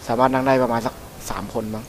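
Casting note: male let's-play commentator, mid-pitched, loose and chatty, faint hiss under the recording. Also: very fast. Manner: chatty, swears freely, excitable whoops. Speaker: gameplay commentator.

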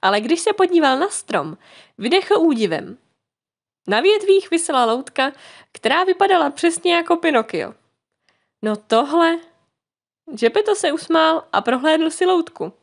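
A woman's voice: extremely high pitch, creaky. A woman reading a children's fairy tale aloud as an audiobook narrator, lightly voicing the characters. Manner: expressive, voices the characters lightly. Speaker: storyteller.

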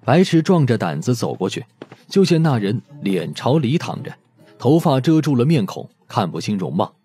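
A man narrating a mystery audiobook in an expressive storytelling manner. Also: medium pitch, normal speed, breathy edge, faint music behind.

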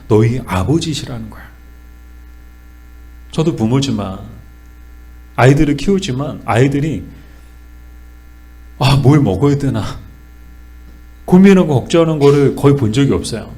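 A man's voice: mid-range voice, warm tone. A middle-aged man teaching a church Bible study, explaining with questions and answers and acting out the lines he quotes.

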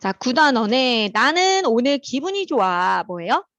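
A woman teaching an English vocabulary class. She calls on students by name, explains words in Korean, and reads the English example sentences slowly and carefully. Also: a little high, sing-song, fairly bright tone, no room sound, low-quality recording.

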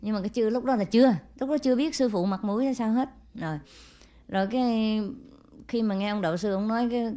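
A woman's voice: mid-range voice, warm tone. A woman spiritual teacher giving an informal talk to followers, telling a story with many small fillers and checks on whether listeners follow. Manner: chatty, frequent "ừ" and "à" fillers, asks listeners "hiểu chưa?"; switches to brisk, scolding asides to attendants.

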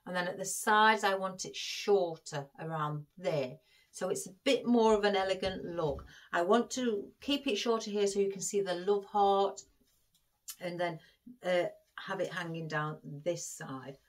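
A woman's voice: lowish voice, a little slow. A woman with a chatty manner, giving a craft tutorial and calling her viewers guys as she talks them through each step. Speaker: florist demonstrating an arrangement.

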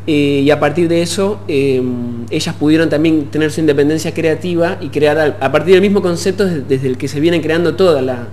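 A young man with an Argentine accent, explaining his work haltingly as a musician guest in a studio interview. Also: fairly high pitch, steady tone, darkish tone, a little hiss or hum. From Puerto Madryn, Argentina. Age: young adult. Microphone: desk gooseneck microphone.

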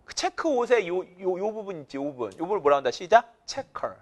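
Here the energetic male English teacher sits high in pitch and moves fairly quickly. He leads a vocabulary lesson, counting students in and drilling them with call-and-response.

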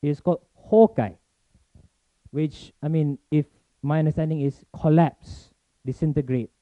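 Fast-talking young man presenting. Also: on the high side, steady tone, no echo. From Malaysia. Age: young adult. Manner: talks fast in bursts, chatty and informal. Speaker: forum speaker. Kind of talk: casual presentation to an audience. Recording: tinny phone-like sound, dry.

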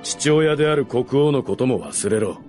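A man playing a blunt, battle-seasoned mercenary with rough speech in a Japanese fantasy radio drama. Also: medium pitch, expressive, normal speed, a little mellow, close to an everyday voice. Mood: stern, reflective. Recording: studio drama with music behind.

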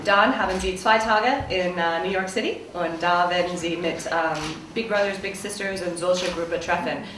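A woman's voice: fairly low pitch, a bit bright, a little hiss or hum. A woman, an embassy cultural attaché, speaking simple German with many fillers. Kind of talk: press conference remarks. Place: large hall. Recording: echoey hall from far off.

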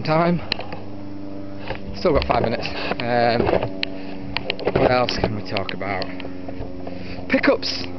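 A British man in his twenties rambling casually and self-deprecatingly as he vlogs while walking outdoors, holding the camera on a stick. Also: mid-range voice. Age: 20s. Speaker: vlogger, retro gaming YouTuber. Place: outdoors, walking along a field edge by trees. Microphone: camera on a stick at arm's length. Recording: dull muffled camera audio with outdoor wind noise.

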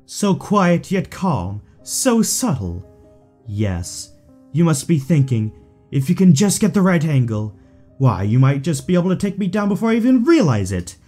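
A man's voice: a little high, big pitch swings, a little slow, darkish tone, faint music behind. A man playing a suave, theatrical villain in an audio drama, taunting his rival with mock affection. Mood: mock-tender. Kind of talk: fan audio drama acting.

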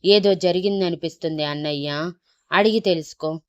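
A woman voicing a caring young man who gently urges and reassures. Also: lowish voice, normal speed, dry recording, lo-fi sound, lightly acted. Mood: concerned. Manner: gentle, urging.

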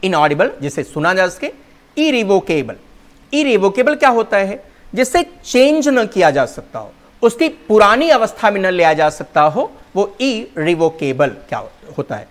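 A man's voice: sits high, big pitch swings, unhurried. A male teacher explaining English vocabulary and spelling in Hindi, calling his students "children" and spelling words out letter by letter.

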